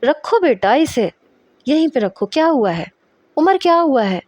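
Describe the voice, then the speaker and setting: A woman's voice: high voice, very animated, a little mellow, no room sound, voice pushed up. A woman voicing a stern middle-aged father-in-law who pleads urgently in a storybook reading. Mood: alarmed.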